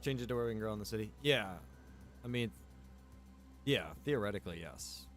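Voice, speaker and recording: A man's voice: on the low side, lively intonation, a little fast, fairly bright tone, soft background music. A man streaming a game, chatting casually and rambling as he thinks aloud. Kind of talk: casual livestream gameplay chat.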